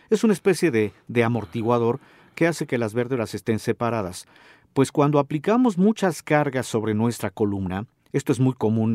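A middle-aged man with a Mexican accent hosting a health talk show as a doctor, explaining calmly and asking the listener questions. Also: medium pitch, no echo, clean studio sound. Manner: didactic, addresses listener directly with questions. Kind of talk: informative radio talk.

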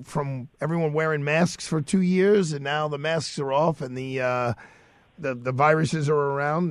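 A middle-aged radio host with a raspy New voice and a slightly sore throat, talking in a loose, familiar way full of fillers. His voice sits a bit high for a man. The studio sound is close and dry. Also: dry recording. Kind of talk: casual radio chat. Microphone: studio microphone.

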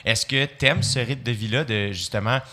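A woman with a Québécois accent hosting a casual interview, asking quick reactive questions. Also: very deep voice, sharp tone. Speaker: host.

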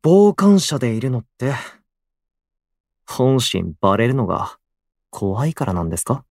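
An actor playing a gloomy, prickly, self-deprecating young station worker in a voice drama, with blunt, grumbling delivery. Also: male voice, medium pitch, sing-song, a little slow, darkish tone, dry recording, clean studio sound. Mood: confrontational. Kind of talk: Japanese voice drama acting.

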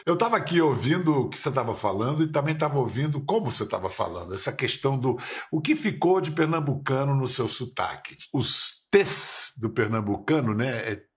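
A male interviewer asks engaged, affirming questions. His voice rises and falls very expressively around an ordinary pitch. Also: lively intonation, brisk.

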